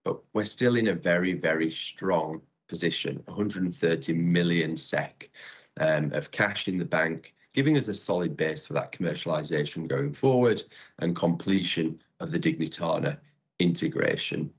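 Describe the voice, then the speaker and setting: Low-voiced, husky businessman presenting results. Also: moderate pace. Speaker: chief executive presenting quarterly results. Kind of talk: earnings call presentation.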